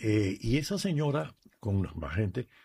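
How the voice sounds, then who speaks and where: A man who is a priest, chatting on a talk show and reading a Gospel passage aloud in a calm, steady way. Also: fairly low pitch, measured pace, creaky, husky.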